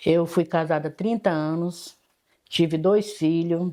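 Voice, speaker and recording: A woman with a fairly low pitch and a dark, mellow tone speaks very slowly with ordinary pitch variation on a very clean recording with a silent background. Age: 60s. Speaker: local resident. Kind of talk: oral history interview.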